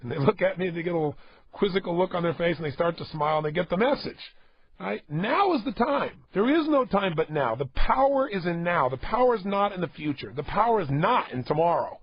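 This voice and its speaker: A man's voice: high-pitched, animated, brisk, breathy edge, no echo, lo-fi sound. A man giving a motivational talk to a studio audience, emphatic, repeating himself and urging listeners to act. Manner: emphatic, repetitive and exhorting. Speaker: motivational speaker.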